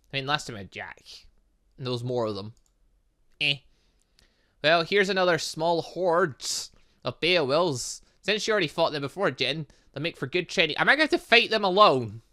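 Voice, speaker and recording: A man with a fairly high, sharp and bright voice commentates on a game in a casual let's play style. He is talkative and rambling, often breaking off his own sentences to start again. It sounds like an informal YouTube gaming session. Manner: chatty, rambling, self-interrupting.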